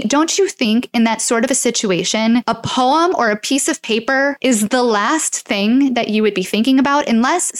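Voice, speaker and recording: A woman narrating a true crime story in a casual, conversational way, speculating aloud about what happened. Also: fairly high pitch.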